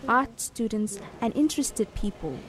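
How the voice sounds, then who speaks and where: A woman narrating a news feature in a measured, even reading voice. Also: on the high side, background noise. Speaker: news reporter. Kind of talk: scripted news voice-over. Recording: voice-over with music bed.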